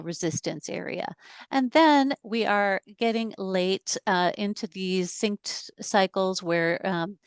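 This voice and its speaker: Woman going over stock charts on a call, smooth clear voice, lowish, dry close sound. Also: no echo. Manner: measured, steady explanation with fillers. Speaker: market analyst. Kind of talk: reading chart analysis.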